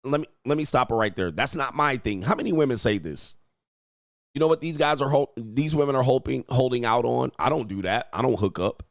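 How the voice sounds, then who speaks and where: A man's voice: medium pitch, a little fast, dry recording, clean studio sound. A man commenting on clips as a dating coach, brash and mocking, swearing and punching words for emphasis. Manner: brash, profane, mocking, with sudden emphatic swells. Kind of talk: provocative reaction commentary.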